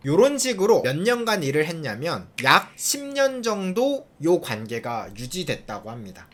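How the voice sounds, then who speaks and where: A man's voice: high-pitched, a bit bright. A man hosting a show, telling a story in a casual, playful, chatty way and acting out the scenes. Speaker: host.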